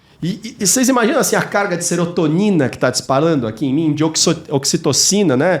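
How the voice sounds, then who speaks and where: A high-pitched man, animated in tone, with lively intonation and a very fast pace. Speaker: podcast co-host, music history teacher. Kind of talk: casual chat.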